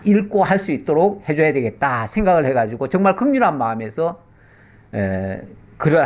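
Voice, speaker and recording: A middle-aged male pastor teaching the Bible in a conversational way, explaining with rhetorical questions and slow pauses. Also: fairly high pitch, darkish tone.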